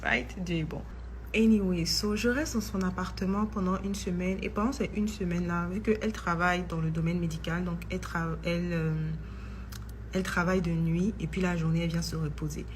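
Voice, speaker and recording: A woman's voice: fairly low pitch, a little fast, a little hiss or hum. A woman who tells a personal faith testimony in a chatty vlog, dropping in English phrases. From Ivory Coast. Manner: chatty, mixes in English phrases, grows excited. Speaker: vlogger.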